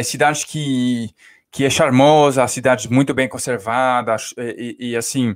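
Speaking at a fairly slow pace, a man with a medium pitch keeps his intonation fairly even on a very clean recording with a silent background. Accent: French. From France, Paris. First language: French (speaking Portuguese). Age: 30s. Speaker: French teacher. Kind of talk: casual chat. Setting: livestream.

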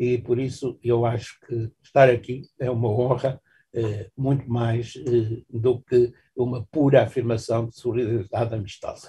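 A man speaks at a fairly slow pace with a medium pitch, a dark, mellow tone, and a somewhat breathy quality. His intonation is monotone and flat, his loudness swings widely, and the background is quiet. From Portugal. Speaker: writer; guest. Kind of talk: interview. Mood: warm, appreciative. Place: home room. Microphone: video call.

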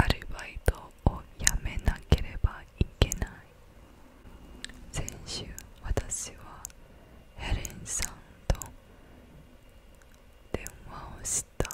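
A soft-spoken woman whispers at a very slow pace with long, frequent pauses. Loud background noise surrounds her. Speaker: ASMR-style reader. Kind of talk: soft reading of Japanese text. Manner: soft close-mic ASMR whisper. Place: home room. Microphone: studio mic.

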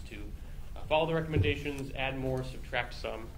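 Very fast speech from a man, set against noticeable background noise. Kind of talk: formal presentation. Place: hall. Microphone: podium.

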